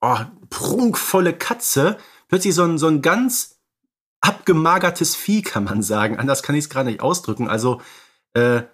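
A man's voice: a little high, expressive, normal speed, fairly bright tone, slightly rough. A man co-hosting a film analysis podcast, talking conversationally and emphatically, repeating words for stress. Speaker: podcast co-host.

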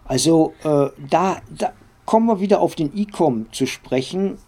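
An older man recounting memories in an interview, speaking haltingly with many drawn-out hesitations and little tag questions. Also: on the high side, lively intonation, darkish tone, breathy edge. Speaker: interview guest, former comics editor and publisher.

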